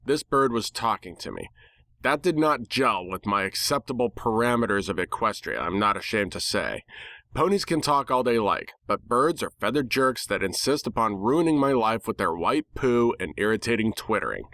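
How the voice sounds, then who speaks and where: A man's voice: fairly low pitch, animated, normal speed, bright, forceful tone, no room sound. A man reading a first-person story aloud as a dramatic narrator, with a sardonic, irreverent manner. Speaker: narrator reading fan fiction.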